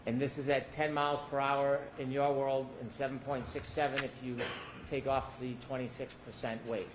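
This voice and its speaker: A man's voice: medium pitch, flat delivery, normal speed, noisy background. A man working as a defense attorney, cross-examining a witness with pointed leading questions that end in tags, heard in a courtroom recording.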